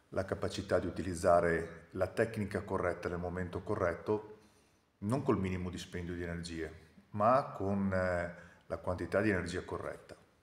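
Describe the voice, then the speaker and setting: Speech at a fairly slow pace rings with audible room echo. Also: man. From Italy. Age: 50s. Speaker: martial arts instructor. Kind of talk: opinion monologue. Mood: calm, reflective, slightly wry. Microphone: phone near.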